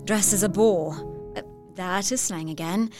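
A woman's voice: medium pitch, measured pace, natural voice. A young woman playing a lovestruck, confiding Victorian lady reading her letter in an audio drama, effusively. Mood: chatty, confiding. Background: music under the voice.

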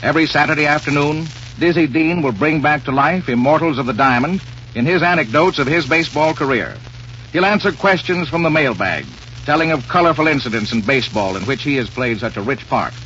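A man announcing and reading sponsor lines on an old radio broadcast in a smooth, formal delivery. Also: on the high side, expressive, fairly quick, fairly bright tone. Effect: old radio broadcast sound. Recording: muffled old radio recording with faint hiss.

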